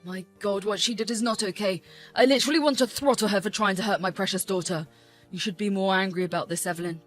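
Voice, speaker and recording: An indignant, protective father, as a voice actor plays him scolds in an even middle pitch. Faint music sits behind. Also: fast, natural voice. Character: protective angry father and restaurant owner.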